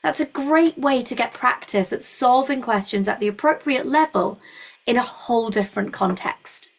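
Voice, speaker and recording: A woman's voice: fairly high pitch, normal speed. Encouraging Scottish woman hosting a webinar. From Scotland. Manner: reassuring, encouraging. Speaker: university webinar host. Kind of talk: informal explanatory webinar talk.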